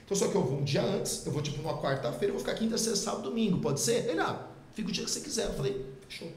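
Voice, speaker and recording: A middle-aged man, a podcast guest, telling a personal testimony in a lively way and acting out the dialogue. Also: high-pitched, racing, slight background noise. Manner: lively, acts out quoted dialogue. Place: podcast studio. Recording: echoey room.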